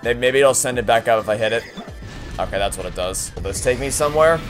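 A man's voice: mid-range voice, animated, fast. A young man talks over his gameplay in a mid-range voice, sarcastic and exasperated, swearing as he complains. Game music plays faintly behind him. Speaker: let's play host. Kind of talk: profane frustrated gameplay commentary.

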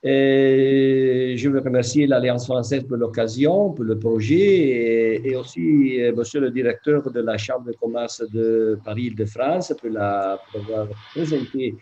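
A middle-aged man with a foreign, Italian accent in French, native in Italian, speaking haltingly as a school principal giving thanks on a video call. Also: medium pitch, warm tone. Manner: halting, hesitant French with self-corrections. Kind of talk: thank-you speech at an online meeting. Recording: dull video-call audio.

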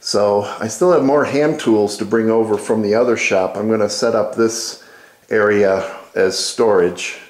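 Low-voiced man in an echoey workshop. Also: measured pace. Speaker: woodworking video host. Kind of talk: informal narrated shop tour. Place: indoor wood workshop.

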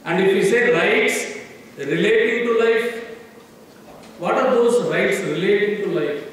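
A high-voiced Indian man in his forties speaks at a podium as a law professor. He lectures emphatically and gestures widely. His words circle back on themselves as he restarts sentences. The sound is caught from some distance in a large, echoing hall, with a faint hiss underneath. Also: unhurried. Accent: Indian English. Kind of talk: public lecture speech. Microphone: podium microphone, picked up from a distance. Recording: echoey hall, distant mic, faint noise.

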